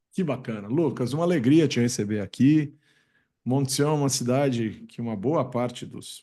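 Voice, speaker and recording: Against a quiet background, a man's dark, mellow tone carries ordinary pitch variation. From São Paulo, Brazil. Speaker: podcast co-host. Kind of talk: podcast interview. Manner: casual.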